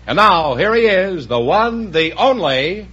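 A man announcing a 1950s radio quiz show in a booming, showy voice. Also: sing-song, measured pace, pushed and bright. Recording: dull old radio broadcast with music.

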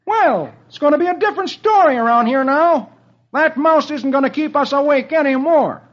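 A man voicing a harried, blustering middle-aged husband from a newspaper comic, loud and exasperated, on an old radio show. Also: very high-pitched, moderate pace, pitched above the performer's own voice. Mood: relieved. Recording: dull old radio recording with music.

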